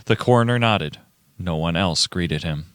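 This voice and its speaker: A man's voice: sits low, moderate pace, fairly bright tone, clean tone, dry recording, clean studio sound. A man acting as narrator and reader in an amateur recording of a dramatic reading. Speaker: narrator and reader of all parts.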